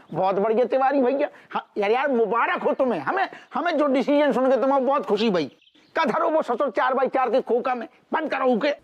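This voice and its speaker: An actor playing a jovial small-town police inspector, drawling rustic banter. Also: male voice, very high-pitched, animated, moderate pace, muffled recording, a little hiss or hum. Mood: jovial teasing.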